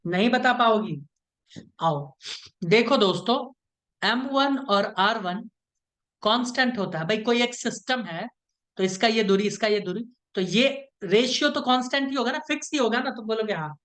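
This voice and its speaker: A man's voice: extremely high pitch, expressive, unhurried, a bit bright. A man teaching an online class, explaining step by step in a playful, teasing way and often checking that students follow. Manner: playful, teasing, keeps asking "right?".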